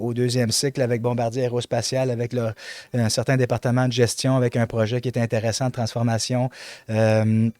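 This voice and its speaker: A middle-aged Québécois man speaks as a guest in a dry, close recording, at a middle pitch. He talks in an animated way, filling pauses with "euh" and repeating words as he goes. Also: clean tone, no room sound. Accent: Québécois French. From Montreal, Quebec. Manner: animated, many fillers and repeats. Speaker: guest, company president. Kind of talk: interview storytelling.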